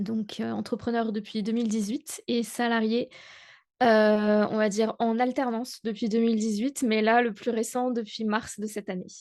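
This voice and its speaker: Her voice is fairly high-pitched, monotone, and flat. The woman keeps a moderate pace against a quiet background. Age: 20s. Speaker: entrepreneur making handmade notebooks. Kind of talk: casual podcast chat.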